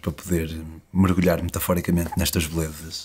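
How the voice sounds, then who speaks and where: Speaking at a moderate pace with a European Portuguese accent, a man with a very deep, low pitch is heard on a very clean recording with a silent background. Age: 30s. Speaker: podcast host. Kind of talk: sponsor read; casual chat.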